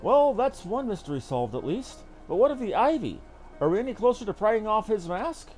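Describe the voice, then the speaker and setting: Composed commander, acted by a man, formal and probing, high male register with varied intonation, fantasy game. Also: big pitch swings, moderate pace, a little mellow. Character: composed, shrewd commander questioning a subordinate. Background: game music.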